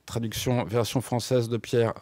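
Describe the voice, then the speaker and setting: A man speaking as a radio guest, explaining music history in a halting way, with frequent restarts and fillers. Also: medium pitch, level tone, darkish tone, no room sound. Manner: hesitant, many restarts and fillers.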